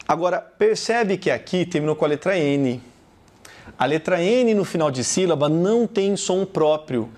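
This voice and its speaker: A man's voice: fairly high pitch, darkish tone. A man with a Brazilian Portuguese accent teaching a lesson, emphatic and repeating each point, acting out little example sentences. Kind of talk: classroom lesson.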